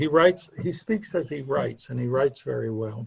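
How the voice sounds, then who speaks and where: In a Brooklyn accent, a man speaks at a moderate pace, his somewhat breathy voice at medium pitch with ordinary pitch variation. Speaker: paranormal researcher and lecturer. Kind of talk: casual chat.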